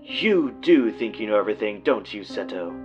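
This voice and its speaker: An actor playing a deranged, gloating villain in an audio drama, mockingly polite and theatrical, savoring florid phrases. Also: male voice, lowish voice, expressive, normal speed, highs cut off, music in the background, lightly acted. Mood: sly, gloating. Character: gloating, theatrical, deranged male villain taunting an old rival.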